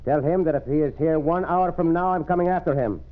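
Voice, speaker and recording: An actor playing a bold, gallant Western gunslinger with a Hispanic accent, commanding and courtly, in old-time radio style. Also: male voice, on the high side, fast, natural voice. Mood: menacing. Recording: muffled, noisy vintage radio recording.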